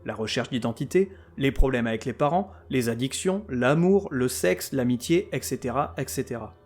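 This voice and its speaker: A man's voice: medium pitch, animated, normal speed, a little mellow, faint music behind. A man hosting a podcast who reviews TV series in a scripted comic style, full of sarcasm, crude words and mock outrage. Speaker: podcast host.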